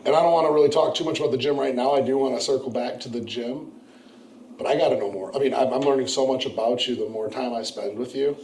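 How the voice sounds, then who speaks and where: A man's voice: medium pitch, fast talker, a little mellow, reverberant, slight background noise, poor audio. A man hosting a podcast, chatting with a guest in a laid-back, enthusiastic way. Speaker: podcast host. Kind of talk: casual interview chat.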